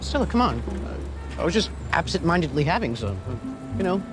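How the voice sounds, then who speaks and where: A man's voice: on the high side, big pitch swings, normal speed, music in the background. An actor playing a sheepish, bumbling man caught out and making excuses. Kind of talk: comedy series acting.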